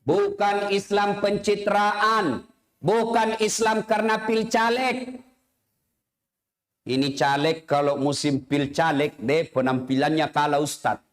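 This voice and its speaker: A middle-aged man preaching a humorous sermon, telling jokes and acting out characters with big swings in pitch. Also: a little slow.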